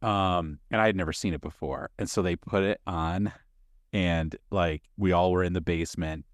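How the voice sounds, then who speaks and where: A man's voice: deep voice, moderate pace, dry recording, clean studio sound. A man in his thirties co-hosting a movie podcast, rambling and laughing as he trails off mid-sentence. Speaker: podcast co-host. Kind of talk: casual chat about movies.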